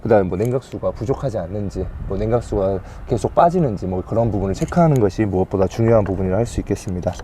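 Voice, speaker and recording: A used car dealer walks viewers through buying a truck, keeping his salesman talk polite and formal in a casual explainer. He speaks fast in a lowish, dark voice with hardly any pauses, over faint background noise.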